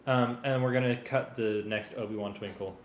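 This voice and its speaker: A man's voice: medium pitch, steady tone, normal speed, slight background noise. A man directing a rehearsal and script read-through in casual, practical talk. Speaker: director reading all parts to cue musicians. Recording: roomy space with loud string music. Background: violin and string music being rehearsed.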